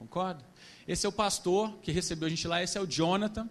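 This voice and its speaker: A man's high voice at a very fast pace, with fairly even intonation. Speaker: missionary. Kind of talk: testimony.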